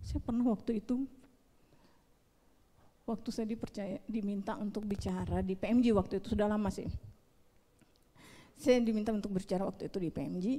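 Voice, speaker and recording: A woman preaching a sermon at a youth service, swinging between loud urging and hushed, near-whispered prayer. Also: medium pitch, fairly even intonation, fairly quick, long pauses, in a large hall.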